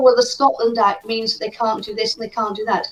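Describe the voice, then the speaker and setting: A woman speaks over noticeable background noise. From London, England. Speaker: political activist. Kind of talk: interview. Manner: hesitant, repeats words.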